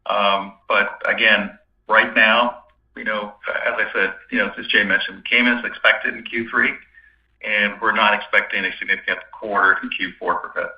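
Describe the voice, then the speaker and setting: Male finance executive, cautious and repetitive delivery with halting phrases, dull roomy conference-call sound. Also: lowish voice, steady tone, recorded from a distance. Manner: halting, repeats himself, frequent "you know". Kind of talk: spontaneous cautious answer on an earnings call.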